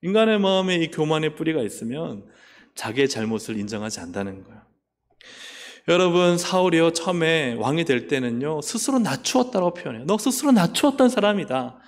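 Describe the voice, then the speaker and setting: A man with a Busan accent preaching a sermon in a church. His voice sits somewhat high and moves in wide, animated swings as he questions his congregation. The sound carries a long echo from the sanctuary. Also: a little fast. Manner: asks the congregation questions and acts out voices of Bible figures. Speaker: pastor. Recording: echoey church hall.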